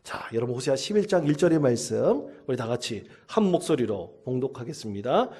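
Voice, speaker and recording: A man's voice: medium pitch, sing-song, brisk, mellow, slightly rough. A male pastor delivering a sermon, reading scripture solemnly and telling a story to the congregation.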